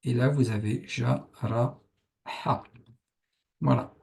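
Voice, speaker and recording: Gravelly-voiced man teaching a lesson. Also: medium pitch, steady tone, takes it slowly, darkish tone. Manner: patient, thinks aloud while writing. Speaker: Arabic teacher. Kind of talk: explaining a writing lesson.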